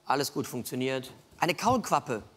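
Lively game show host. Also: mid-range voice, normal speed, husky. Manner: chatty, questioning. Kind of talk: live game show presenting. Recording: music and audience sound behind. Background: music and crowd.

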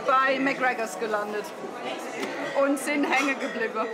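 A woman with a fairly high voice speaks easily as a guest in an interview. She sounds a little off the mic, and a loud crowd surrounds her in a big indoor hall. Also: steady tone, measured pace. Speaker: festival guest. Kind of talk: casual interview.

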